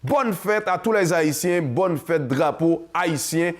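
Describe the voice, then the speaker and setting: Soft music plays behind a man whose voice sits on the high side and moves slowly. He hosts a community show with a Haitian accent, passionately alternating French and Creole, singing at times, in a casual to-camera monologue.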